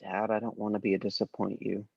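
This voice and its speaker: A man acting an earnest, troubled teenage son who speaks haltingly and deferentially in a drama table read. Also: lowish voice, flat delivery, creaky, husky, no room sound, lo-fi sound. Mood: pleading, dejected. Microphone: video call microphone.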